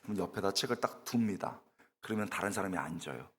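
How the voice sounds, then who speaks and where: Husky male preacher in an echoing church. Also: low voice, lively intonation, fast talker. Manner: storytelling, shouts and wails while acting out his own tearful prayer; addresses the congregation directly with questions. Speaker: pastor, guest preacher. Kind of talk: sermon. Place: church sanctuary.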